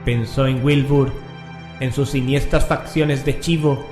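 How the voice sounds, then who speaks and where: A man's voice: mid-range voice, steady tone, a little slow. A man narrating a scripted horror story in a solemn, dramatic manner. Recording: echoing, music underneath.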